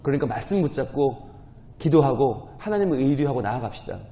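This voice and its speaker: A man's voice: mid-range voice, a little fast. Man, pastor, dawn prayer sermon, acts out scripture voices, church hall reverb. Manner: leads congregation in reading scripture aloud; acts out God's and Moses' words in lively quoted voices. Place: church sanctuary.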